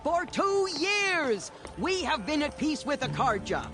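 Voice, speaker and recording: Tribal matriarch in a game, high swooping voice, slow ceremonial declaiming, music behind. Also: female voice, sing-song, full character voice. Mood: proclaiming. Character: formal, commanding tribal elder addressing an assembly. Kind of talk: video game acting.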